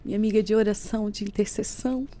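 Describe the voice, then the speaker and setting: A woman telling an emotional personal faith testimony as a podcast guest. She tells it as a lively story, acting out what people said. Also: mid-range voice, fast. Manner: lively storyteller who acts out quoted speech. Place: podcast studio.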